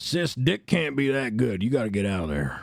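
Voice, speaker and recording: A man's put-on character voice, raspy and gruff with a Southern accent, medium in pitch at a moderate pace. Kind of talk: blunt, casual.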